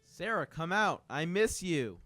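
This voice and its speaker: A man's voice: fairly high pitch, big pitch swings, unhurried, pushed and bright, heavily acted. A man playing a menacing, possessive, jealous ex-lover in an amateur radio play, coaxing and threatening.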